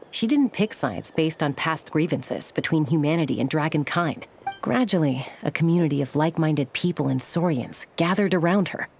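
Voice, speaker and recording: A woman's voice: low voice, darkish tone, slight background noise. A woman voicing a grounded tribal woman in a video game who recounts her people's legends in a thoughtful, dry way.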